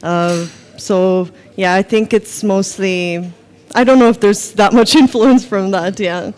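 A woman's voice: mid-range voice, slow, darkish tone. A young woman director from Croatia answering interview questions thoughtfully, with many fillers. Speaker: film director. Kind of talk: festival interview. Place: festival lounge set, indoors.

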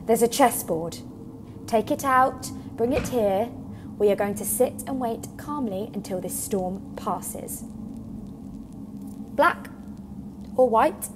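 A woman's voice: a little high, slow pace, pauses often, noisy background. A woman acting in an audio drama as a brittle, controlling, moth-obsessed scientist, speaking in a fussy, repetitive, coaxing way. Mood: eerily controlled.

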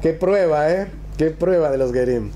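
A man's voice: on the high side, normal speed, warm tone, slight background noise. A man, a rabbi teaching a religious text in a conversational way, with rhetorical questions and emphatic repetition. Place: small classroom, indoors.

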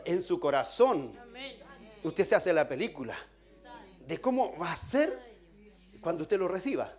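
Preaching Chilean man, shouting at climaxes. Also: on the high side, big pitch swings, unhurried. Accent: Chilean Spanish. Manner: retells a vision with many "dice", builds to shouted pleas. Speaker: pastor. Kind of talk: sermon. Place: church.

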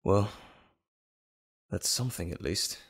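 A man's voice: deep voice, slow, vocal fry, breathy edge, exaggerated voice. A man playing a wry, anxious civilian doctor held captive in an audio drama. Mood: wry, uneasy.

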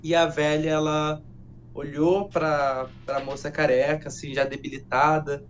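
A man with a voice a little higher than most, telling an old folk tale softly and without hurry. The sound is slightly dull, with a faint hum underneath, as in a studio broadcast. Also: little pitch movement, a little slow. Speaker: guest, educator and storyteller.

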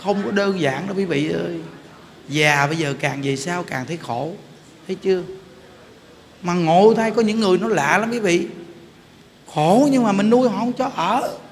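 A man's voice: high-pitched, moderate pace, long pauses. A middle-aged man, a Buddhist monk giving an informal sermon and telling stories. He keeps turning to the audience with questions. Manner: chatty storyteller, often laughs and asks the audience "hiểu không?". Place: temple hall. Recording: reverberant hall with faint background noise.

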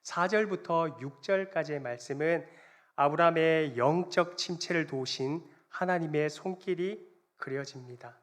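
A male pastor delivers a sermon in a fairly high-pitched voice. He builds to loud, emphatic peaks, then drops to quiet phrase endings, and he calls the congregation to read along. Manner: dramatic swings between loud emphatic lines and quiet endings; leads the congregation in responsive reading.

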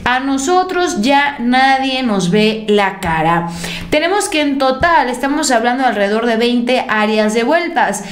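A woman's voice: on the high side, animated, measured pace. A young Mexican woman with a Mexican accent giving emphatic, sarcastic political commentary at her desk, her voice swinging up and down for effect. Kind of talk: opinionated news commentary. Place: indoor room at a desk. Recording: roomy echo.

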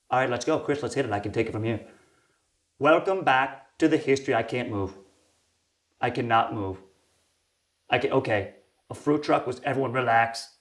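A man's voice: mid-range voice, lightly acted. A man playing a groaning old tea host. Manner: strained, groaning, fussy. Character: elderly male tea show host with bad back. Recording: echoey, distant.

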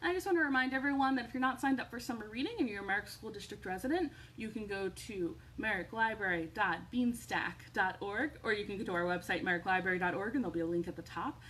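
A young adult woman presenting an upbeat children's storytime in an animated, encouraging way, recorded in a room at home. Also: medium pitch, fast talker, hardly any pauses, a little hiss or hum. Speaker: children's librarian hosting storytime. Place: indoors, living room at home.

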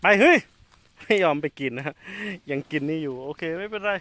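Bright chatty man outdoors. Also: on the high side, quick pace. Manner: chatty, addresses viewers, calls animals loudly. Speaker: elephant keeper and channel host. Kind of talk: casual outdoor vlog narration.

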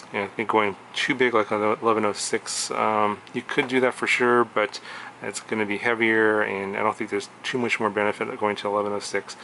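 A man hosting a casual hands-on product review at his workbench, talking in a relaxed, rambling way full of fillers and restarts. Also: on the low side, a little hiss or hum. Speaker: drone review host. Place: indoor workshop desk.

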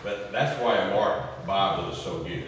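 A man's voice: deep voice, moderate pace, a bit bright, a little hiss or hum. An older man sharing earnest advice with a church group, often restarting his sentences. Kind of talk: group discussion. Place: church fellowship hall. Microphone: far camera. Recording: echoey hall from far off.

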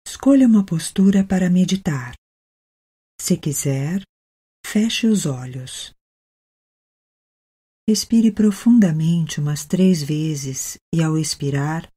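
Brazilian woman, meditation guide. Mellow, husky voice, gentle and unhurried delivery. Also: lowish voice. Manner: gentle, unhurried, with long pauses. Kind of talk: guided meditation, soothing narration.

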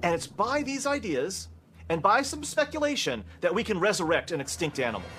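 A man's voice: sits high, sing-song, brisk, background noise. A man explaining science as an expert in a documentary interview.

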